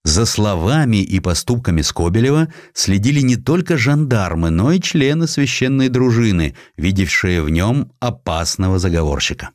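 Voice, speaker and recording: A man reading historical prose as a dramatic scripted narration, in expressive, measured storytelling. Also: on the low side, dry recording, studio quality. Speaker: audiobook narrator.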